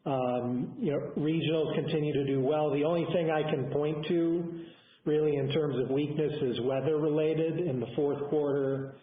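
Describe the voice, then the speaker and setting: A man, a company executive, giving a semi-scripted business briefing to investors in a halting way, often correcting himself mid-phrase. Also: fairly high pitch, fairly even intonation. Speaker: company executive on an earnings call. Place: conference call over phone. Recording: echoey, band-limited conference phone line.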